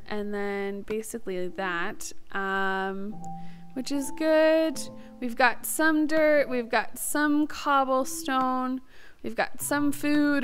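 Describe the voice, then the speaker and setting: A woman's voice: sits high, a bit bright. A woman giving casual let's-play commentary as the host of a gaming series, chatty, bubbly and enthusiastic.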